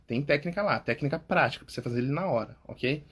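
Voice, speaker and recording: In a loose, informal way, a Brazilian coach and podcast host gives public speaking advice, frequently saying "tá?" and "cara." He talks fast in a mid-range voice that's fairly bright and slightly rough, with a Brazilian Portuguese accent.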